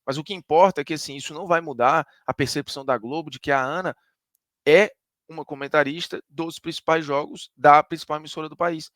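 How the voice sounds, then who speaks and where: A man's voice: a little high, steady tone, fairly quick, a bit bright, no room sound, studio quality. A man from Ceará with a Northeastern Brazilian accent, a sports commentator giving an emphatic, conversational opinion monologue that argues point by point.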